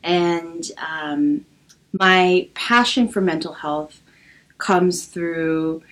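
A woman in her early thirties from Los Angeles, a podcast guest speaking casually and hesitantly, with many pauses and ums. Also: on the low side, fairly bright tone, poor audio. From Los Angeles, USA. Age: early 30s. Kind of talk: casual interview talk.

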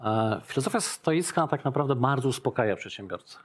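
A man's voice: medium pitch, animated, fairly quick. A middle-aged man speaks as an interview guest and explains his ideas through examples. He talks in a chatty way and keeps adding a questioning "tak?" to his points. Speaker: interview guest, business owner. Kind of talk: casual business interview.

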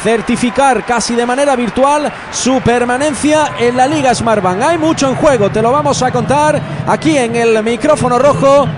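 A man with an accent from Spain doing passionate, excited live radio play-by-play of football, often shouting and stretching out words. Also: very high voice, noisy background. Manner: passionate, shouting, drawn-out exclamations.

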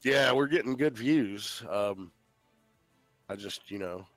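A man's voice: lowish voice, slow, a bit bright, no room sound, faint music behind. A man in his thirties with a stuffy head cold, chatting casually and swearing easily on a voice call. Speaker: podcast host. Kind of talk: casual chat.

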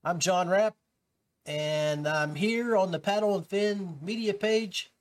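A man hosting a fishing podcast, talking to listeners in a casual, upbeat way. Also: high-pitched. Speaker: podcast host.

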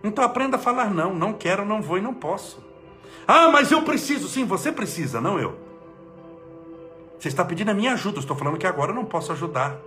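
A man, an energetic spiritual leader giving an emphatic inspirational talk and leading prayer. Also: high-pitched, rapid-fire, soft background music.

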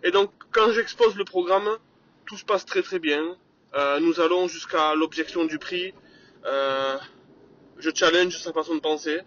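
A man's voice: fairly high pitch, unhurried. A man with a somewhat raised voice chats energetically through his solo podcast, full of fillers and English sales buzzwords. The recording sounds dull and lo-fi, with a faint hiss underneath. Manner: energetic, chatty, many fillers, sprinkles English sales jargon. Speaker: podcast host. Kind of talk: casual solo podcast monologue.

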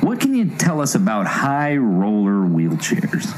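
Man acting an animated, blunt amateur investigator. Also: fairly low pitch, measured pace, slight background noise. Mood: earnest, probing. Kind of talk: comedic audio drama acting.

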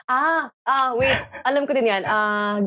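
A woman from Bohol, Philippines, a podcast guest in casual chat, giggly and animated. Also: high voice, unhurried, highs cut off.

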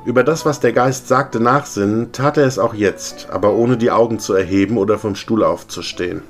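Radio guy reading a story, low calm voice, soft music underneath. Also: fairly quick. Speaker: radio presenter reading aloud. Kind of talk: audiobook reading of a classic story.

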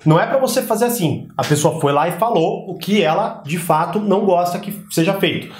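Guy giving casual advice, acts out bits of dialogue, kinda high pitched, roomy echo. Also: brisk, slight background noise. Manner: animated, acts out dialogue in quotes; informal slang-heavy delivery. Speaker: persuasion coach.

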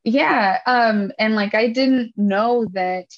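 A woman's voice: fairly high pitch, slow, dull audio. A woman from Washington State with a Seattle-area accent, an English teacher chatting casually as a podcast guest and laughing easily. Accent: Seattle-area American English. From Washington State, USA.

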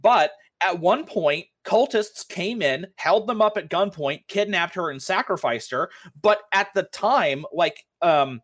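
A young man talks loosely about tabletop role-playing, sitting a little higher than most men in pitch. He wanders through a long anecdote, filling gaps with ums, likes and the occasional swear. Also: expressive, a little slow, hardly any pauses, a bit bright. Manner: rambling storytelling with many fillers and swearing. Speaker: podcast co-host, game master. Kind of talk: casual chat about tabletop games.

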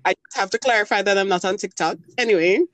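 A woman's voice: medium pitch, fast, no room sound. A woman from Jamaica co-hosting a casual talk show, chatty and laughing often as she leads a game. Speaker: podcast co-host. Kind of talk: casual chat.

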